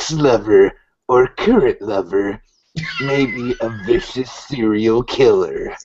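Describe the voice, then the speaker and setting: A man's dramatic, put-on character voice at a medium pitch, delivered at a very slow pace. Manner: dramatic narration.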